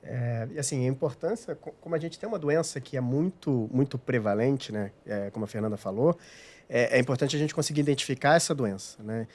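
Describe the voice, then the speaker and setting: A man's voice: mid-range voice, fairly quick, darkish tone. A man cardiologist with a Brazilian Portuguese accent speaking hesitantly, with many fillers, in a podcast studio. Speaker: cardiologist guest.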